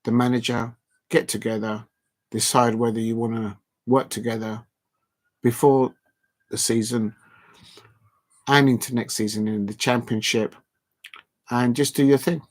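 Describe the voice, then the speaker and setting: Male football streamer, casual late-night sign-off, filler-heavy ramble, ordinary middle pitch. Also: little pitch movement, unhurried, pauses often. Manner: rambling, filler-heavy, reading out chat shout-outs. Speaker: football watch-along streamer. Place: at home at night with a TV on.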